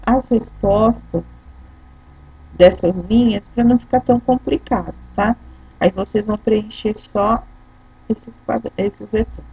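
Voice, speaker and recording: A woman's voice: medium pitch, dark tone, breathy edge. A woman teacher with a Brazilian Portuguese accent, patiently explaining a lesson step by step and often checking in with her pupils. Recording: dull lo-fi recording.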